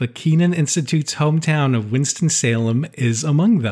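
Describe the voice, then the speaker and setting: Using an ordinary speaking voice, a man talks at a moderate pace with fairly high pitch and lively intonation. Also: very clean recording, silent background. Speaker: podcast host and producer. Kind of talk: interview.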